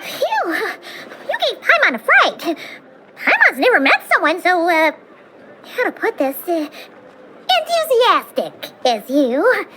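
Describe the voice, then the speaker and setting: Teeny excitable game fairy, super squeaky, swoops all over the place, talks about herself in third person. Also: female voice, takes it slowly, background noise, full character voice. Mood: relieved, hesitant. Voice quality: squeaky, childlike. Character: small flying fairy companion, childlike, excitable, easily alarmed. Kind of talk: video game voice acting. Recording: loud music behind. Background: loud game music.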